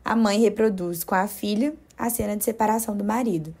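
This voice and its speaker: Woman, podcast co-host, husky breathy voice, measured explanatory commentary. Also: medium pitch, a little mellow. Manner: measured, explanatory, with frequent tag questions.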